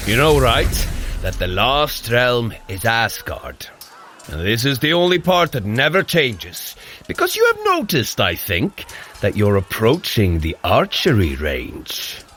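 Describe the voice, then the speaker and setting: An actor playing a boisterous Asgardian warrior god who coaches a mortal through training in a fitness audio drama, with theatrical, archaic, cheerfully bloodthirsty delivery. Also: male voice, mid-range voice, wildly swooping pitch, slow pace, fairly bright tone, a little hiss or hum, heavily acted. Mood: amused.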